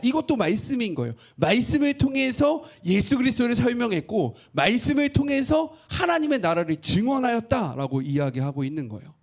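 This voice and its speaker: A male pastor preaching a sermon, asking the congregation questions and acting out quotes in an animated way. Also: sits high.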